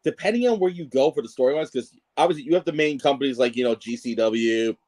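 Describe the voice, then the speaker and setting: A man's voice: mid-range voice, fast talker, a little mellow. A man speaking as a guest ring announcer in a casual wrestling chat, emphatic and repeating words to press his point.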